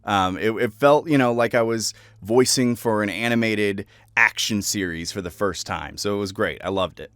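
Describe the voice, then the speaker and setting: A man's voice: lowish voice, moderate pace, hardly any pauses, fairly bright tone, clear, resonant tone, dry recording. A man talking casually to viewers as a voice actor, presenting favorite characters.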